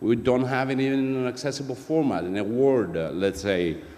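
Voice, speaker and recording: A man's tone sounds dark and mellow. He keeps a moderate pace amid audible room echo. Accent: Greek. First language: Greek. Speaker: education policy official. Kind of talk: conference panel talk. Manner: halting.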